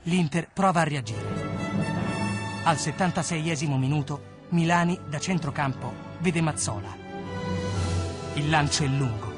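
High-voiced male narrator over loud music. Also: a little slow, long pauses. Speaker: documentary narrator. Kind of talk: scripted narration.

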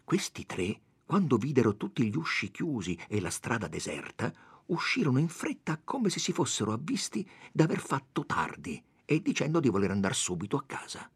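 A man giving a dramatic reading of a classic novel, expressive and animated. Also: moderate pace, breathy edge, no room sound. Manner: expressive, raises pitch for quoted characters. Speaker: audiobook reader.

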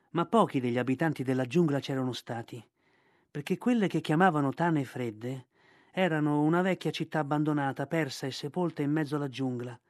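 A man reading a novel aloud in a measured, expressive narrating voice. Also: a little high, dry recording, studio quality. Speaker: audiobook reader.

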